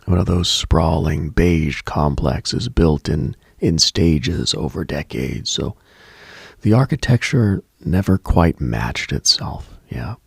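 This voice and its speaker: A man hosting late-night radio, delivering a slow, atmospheric monologue in a hushed, deliberate, husky voice that slips toward a whisper. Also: rumbling low, expressive, dry recording, studio quality. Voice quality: gravelly, husky, breaking into whisper. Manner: hushed, deliberate, storytelling with pauses.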